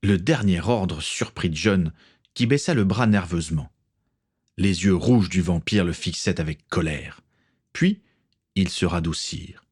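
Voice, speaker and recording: A man narrating an audiobook adventure in an expressive, measured way. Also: sits low, slightly rough.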